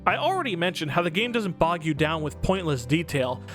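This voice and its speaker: Man, high voice, very lively intonation, casual comedic scripted narration, exaggerated emphasis, faint background music. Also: brisk. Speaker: video host and game reviewer. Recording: music under the voice.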